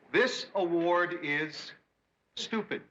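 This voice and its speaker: A man playing a gruff, blunt news boss. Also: on the high side, natural voice. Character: gruff, grumpy middle-aged male news boss. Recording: dull, very noisy old TV audio.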